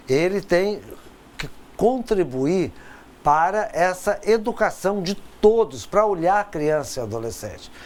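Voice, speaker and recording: In a conversational recorded lecture for a course, a man leans on tag questions, pauses, and repeated words. His voice sits on the high side.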